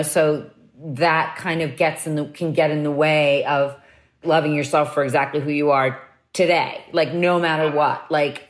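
Low-voiced candid woman host. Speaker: podcast host. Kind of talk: casual conversational interview.

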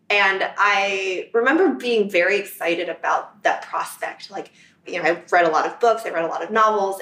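A woman's voice: medium pitch, fairly bright tone, echoey room, poor audio. A woman from China, an interview guest, telling her story in a reflective, conversational way, recorded in a New York apartment. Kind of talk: casual conversation.

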